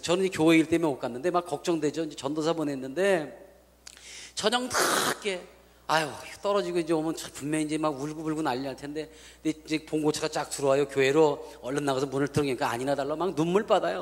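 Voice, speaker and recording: A male pastor telling a story in a sermon. He talks in an animated way and acts out the dialogue in different voices. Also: fairly high pitch, quick pace, long reverb tail.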